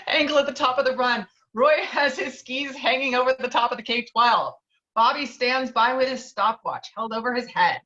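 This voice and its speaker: A woman's voice: a little high, moderate pace, bright, forceful tone. A woman reading screenplay stage directions as scripted narration, heard through slightly dull online audio.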